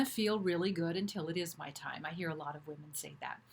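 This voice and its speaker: A somewhat breathy woman's voice. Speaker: health coach and author. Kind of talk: online class. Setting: live online class, recorded. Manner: fast.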